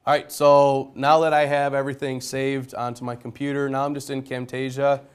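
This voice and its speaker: Loud-voiced man explaining classroom tech. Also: medium pitch, flat delivery, normal speed, clean tone. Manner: plain explanatory, step-by-step walkthrough. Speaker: high school geometry teacher. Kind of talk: classroom technology demonstration.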